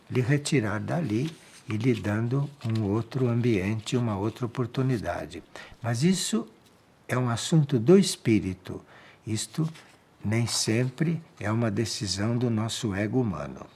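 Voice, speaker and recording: A man with a Brazilian Portuguese accent giving a calm spiritual talk, answering listeners' questions in a measured way and repeating key phrases for emphasis. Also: fairly low pitch, slightly rough.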